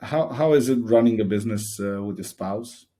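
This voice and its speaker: A man's voice: fairly low pitch, normal speed, mellow. A man hosting a podcast, asking questions in a casual, chatty interview style.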